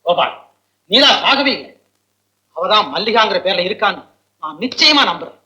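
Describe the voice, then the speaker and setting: Determined lawyer, high bright voice, lively and probing. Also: male voice, normal speed, exaggerated voice, low-quality recording. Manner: earnest, probing. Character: suspicious lawyer determined to uncover a mystery.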